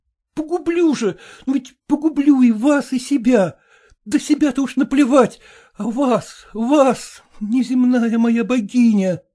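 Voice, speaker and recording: A man's voice: extremely high pitch, unhurried, mellow, voice pushed up. A man voicing a timid, lovesick office clerk who mumbles servile apologies and weeps. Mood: tearful.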